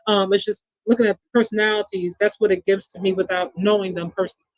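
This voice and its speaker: A man's voice: high-pitched, flat delivery, fast, dry recording. A man with a New York accent hosting a casual sports chat, talking to his listeners and reading their comments aloud. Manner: chatty, addresses the audience as y'all and reads viewer comments aloud. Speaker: podcast host. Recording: dull lo-fi sound.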